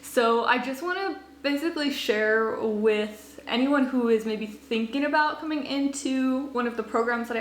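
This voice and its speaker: A woman speaking as a host and language coach in a conversational interview, rambling and often saying "like". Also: on the high side. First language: English. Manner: rambling, frequent "like". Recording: echoey room, noticeable background noise.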